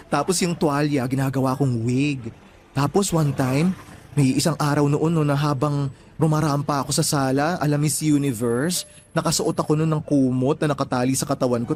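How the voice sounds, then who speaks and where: A man's voice: fairly high pitch, a little mellow, slight background noise, lightly acted. Man playing a campy, sassy young gay Filipino. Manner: campy, exclaiming, peppered with gay slang. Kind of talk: radio drama dialogue. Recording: music playing under the voice.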